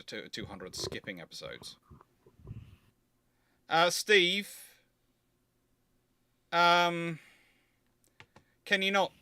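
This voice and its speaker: The man hosting this naval history Q&A livestream explains and responds in a casual, emphatic, rambling manner. His mid-range voice is bright and forceful, and the recording has no room sound.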